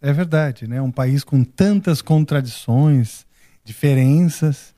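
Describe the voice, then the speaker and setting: Warm, chatty male interview host. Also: on the high side, takes it slowly, no room sound, clean studio sound. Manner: chatty, philosophizing, encouraging. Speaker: podcast host. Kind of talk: casual interview.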